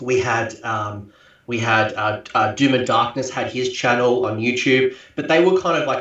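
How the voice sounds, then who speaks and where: A man with an Australian accent, medium pitch and ordinary pitch variation. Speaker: YouTube content creator. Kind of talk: casual chat.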